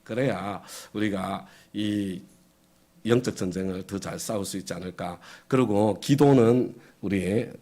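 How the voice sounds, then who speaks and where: A man's voice: fairly low pitch, measured pace, warm tone. A middle-aged man preaching a sermon as pastor, conversational, often asking the congregation questions and chuckling.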